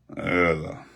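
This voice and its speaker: A man, giving animated live-stream political commentary and greeting viewers, repeating himself and jumping up in pitch when he stresses a point. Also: gravelly. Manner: excited, repetitive, pitch jumps up sharply when emphatic.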